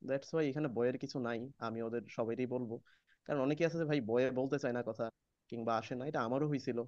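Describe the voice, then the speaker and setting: A man's voice: medium pitch, fairly even intonation, fast talker, a little mellow, no echo, dull audio. A young man, a former student, sharing his experience casually and hesitantly with many fillers. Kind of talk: casual testimony in class.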